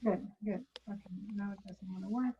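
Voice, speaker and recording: Swedish-accented woman, casual presenter, mid-pitched, dull call audio. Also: steady tone, normal speed, dark tone, a little hiss or hum. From Sweden. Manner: chatty, loose, frequent self-corrections. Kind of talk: casual screen-share app demo.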